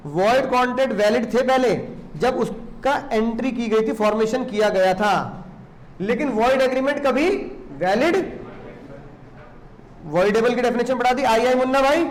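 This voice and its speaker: A man's voice: very high-pitched, moderate pace, long pauses. A man teaching a law class, teasing and scolding students with lots of rhetorical questions. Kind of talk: classroom lecture.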